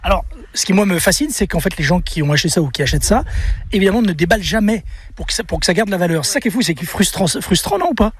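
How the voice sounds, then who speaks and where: A man's voice: high voice, expressive, rapid-fire, slightly rough. A man reporting from an outdoor flea market, chatting and joking with a stallholder. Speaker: radio reporter. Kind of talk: casual street interview.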